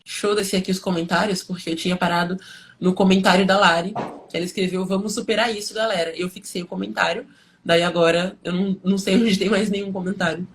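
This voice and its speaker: A woman's voice: lowish voice, steady tone, fast talker. A woman with a Brazilian accent giving an informal live lesson to students, explaining conversationally with rhetorical questions and frequent check-in tags. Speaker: teacher and study coach hosting a livestream.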